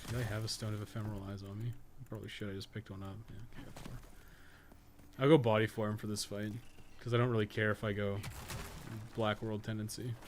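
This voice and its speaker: A man giving casual live game-stream commentary, swearing freely and talking to viewers in a halting, colloquial, thinking-aloud way. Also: fairly low pitch, level tone. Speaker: game streamer and guide maker. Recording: clear background noise and ambience.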